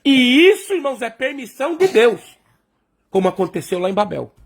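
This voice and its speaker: A man's voice: very high voice, big pitch swings, moderate pace. A man preaching a sermon, who asks questions and answers them himself and keeps calling the congregation brothers. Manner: explains by asking and answering his own questions; addresses the congregation as brothers and sisters.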